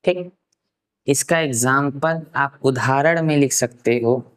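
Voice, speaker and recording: A man from Uttar Pradesh giving a science lesson, asking rhetorical questions and answering them himself, and slowly repeating key terms for note-taking. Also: mid-range voice, clear, resonant tone. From Uttar Pradesh, India. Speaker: science teacher. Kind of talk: classroom science lecture.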